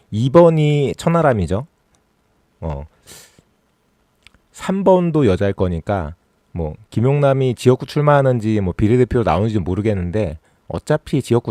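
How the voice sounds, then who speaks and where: A man's voice: fairly low pitch, warm tone, dry recording, clean studio sound. A man hosting a casual political livestream, talking sarcastically and mockingly and working himself up into exasperated rants. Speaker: political YouTube host.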